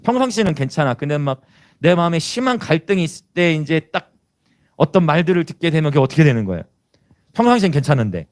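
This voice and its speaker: Male pastor, sermon, lively varied pitch, emphatic exhortation. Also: fast.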